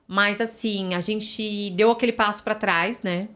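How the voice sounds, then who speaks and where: A woman's voice: medium pitch, fairly even intonation, a little slow, fairly bright tone. Chatty São woman telling stories. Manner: chatty, storytelling, many fillers and tag questions. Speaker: physiotherapist, podcast guest. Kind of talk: casual podcast conversation.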